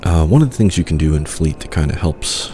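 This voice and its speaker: A man's voice: extremely low pitch, expressive, fast, dark tone, slight background noise. A man with a cold hosting a casual video game playthrough, rambling easygoing talk with lots of filler. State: stuffed up with a cold. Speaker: let's play host. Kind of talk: casual gameplay commentary.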